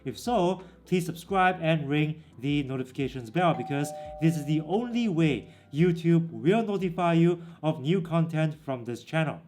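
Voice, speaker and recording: A man's voice: fairly high pitch, lively intonation, normal speed, few pauses, darkish tone. Casual man explaining headphone settings. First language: English. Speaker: tech reviewer. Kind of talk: product walkthrough.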